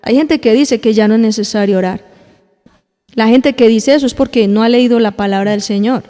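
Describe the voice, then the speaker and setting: A woman's voice: fairly high pitch, a little fast, dark tone, long reverb tail. A woman pastor, preaching a sermon to her congregation and acting out little scenes for them. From Colombia. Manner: addresses the congregation directly, acts out little scenes. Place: church hall.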